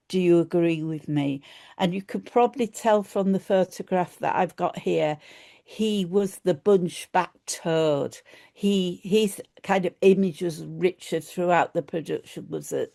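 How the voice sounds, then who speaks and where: A woman's voice: lowish voice, gravelly, dark tone. A middle-aged woman with a broad Yorkshire accent giving a lecture, chatty and loose, with frequent ums and restarts. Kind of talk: academic lecture.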